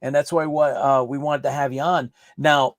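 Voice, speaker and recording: A man's voice: medium pitch, level tone, moderate pace, dry recording, clean studio sound. A man hosting a live online interview show, chatty, often repeating words and restarting his sentences. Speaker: host.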